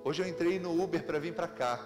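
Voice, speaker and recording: A man with a Brazilian accent, preaching a sermon as pastor, telling stories in a lively way with laughter. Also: a little high, fairly quick, long reverb tail, over music. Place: church sanctuary.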